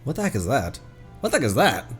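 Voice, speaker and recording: A man livestreaming a game with casual commentary, thinking aloud in a halting way. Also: medium pitch, wildly swooping pitch, fairly bright tone, slightly rough, soft background music.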